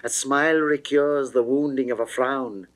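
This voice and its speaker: A man's voice: medium pitch, fairly even intonation. A man giving a dramatic, declamatory reading of classical narrative poetry. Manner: theatrical, measured, declamatory. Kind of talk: dramatic reading of Elizabethan verse.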